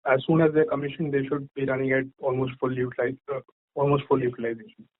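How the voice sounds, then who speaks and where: A man's voice: medium pitch, little pitch movement, quick pace. A man asking questions as an investor on an earnings call, speaking over the telephone. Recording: thin phone line.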